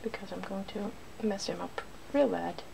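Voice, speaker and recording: A woman hosting an ASMR video, talking softly through a hands-on demonstration and slipping now and then into whispers. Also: mid-range voice, moderate pace. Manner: soft-spoken, slipping into whispers. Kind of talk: ASMR, soft-spoken makeup demonstration. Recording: clear background noise.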